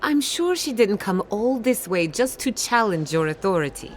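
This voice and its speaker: A woman's voice: medium pitch, big pitch swings, moderate pace, slight background noise, close to an everyday voice. A woman playing a passionate, defiant scholar of soul science in a fantasy video game, speaking with dramatic, pointed emphasis. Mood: indignant. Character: passionate, defiant female animancer fighting for her blighted land. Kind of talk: video game character acting.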